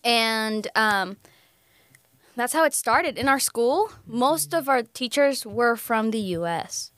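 A young woman from Honduras whose first language is Spanish chats casually, spinning animated stories full of laughs and fillers. Her voice sits a bit high. The recording is dry and close. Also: slow pace, dry recording. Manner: animated storyteller, laughs often, many fillers. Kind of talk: casual chat.

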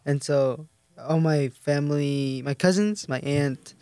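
A man's voice: a little high, takes it slowly, smooth, no echo, studio quality. A young man from Mexico, a native Spanish speaker, talking casually and hesitantly with lots of fillers. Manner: hesitant, filler-heavy, soft-spoken. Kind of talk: casual chat.

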